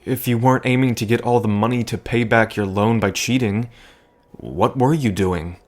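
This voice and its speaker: A man playing a wry, cautious sidekick to a poker boss, with a dry, deliberate delivery in a scripted audio drama. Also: medium pitch, close to an everyday voice. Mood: puzzled.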